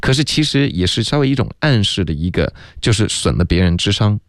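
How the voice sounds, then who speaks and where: A man teaching English on a radio lesson, explaining pronunciation slowly and laughing often. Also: lowish voice, big pitch swings, no room sound, studio quality.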